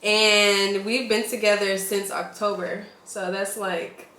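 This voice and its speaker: Woman in her twenties, bright and high, hosting a chatty couple vlog; echoey room. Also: level tone, slow pace. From Nashville, Tennessee, USA. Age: 20s. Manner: giggly, laughs often, eats while talking. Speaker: YouTube channel host. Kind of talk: casual couple Q&A chat. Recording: echoey room with faint noise.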